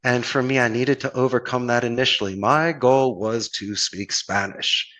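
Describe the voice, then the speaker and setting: Speaking at normal speed with fairly even intonation, this man has a mid-range, fairly bright voice and a Philadelphia accent. He's a call center owner from that city, guesting on a podcast and offering earnest, ornate motivational anecdotes laced with rhetorical questions.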